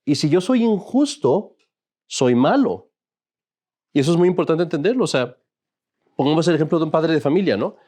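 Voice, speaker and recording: A man's voice: on the high side, expressive, normal speed, long pauses, warm tone. A man, a Catholic priest, teaching an informal class in a conversational, joking way and often asking his listeners questions.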